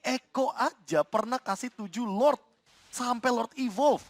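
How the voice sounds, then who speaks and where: A man with an Indonesian accent giving animated, analytical esports commentary, explaining the play as a caster. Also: very high voice, unhurried, no echo.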